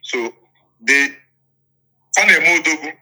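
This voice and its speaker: A Nigerian man recounts events as an interviewee in a very bright, pressing voice that sits a little high. He speaks emphatically, repeats his phrases for weight and keeps checking that the listener is with him. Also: expressive, unhurried, low-quality recording. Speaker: interviewee, politician. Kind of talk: interview storytelling.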